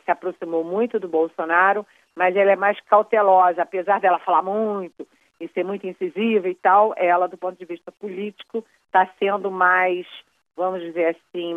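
A woman's voice: lowish voice, dry recording. A Brazilian woman calling in to a radio news show, explaining politics in a chatty, conversational way with frequent fillers. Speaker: political commentator. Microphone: phone call. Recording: tinny phone line.

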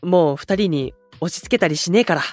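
A man's voice: high voice, brisk, no echo, soft background music, natural voice. Boyish young male idol, played by a man: impulsive, exuberant, slangy, straightforward, close dry studio sound for audio drama. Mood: earnest, flustered. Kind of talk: anime-style audio drama acting.

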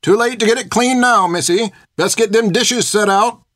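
A man's voice: sits high, normal speed, fairly bright tone, no room sound, clean studio sound, voice pushed up. A man voicing a blunt older male handyman who calls a girl Missy. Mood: gruff.

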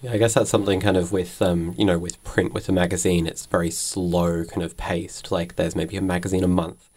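A man with a low voice conducts a casual interview. He phrases his questions tentatively, circling around them with plenty of hedging before he gets to the point. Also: little pitch movement, fairly quick, darkish tone.

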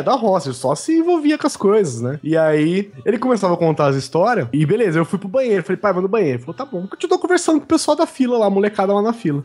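A man co-hosting a casual podcast, telling anecdotes fast and animatedly, with casual swearing. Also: high-pitched, husky. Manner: rapid animated storytelling, swearing. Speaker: podcast co-host.

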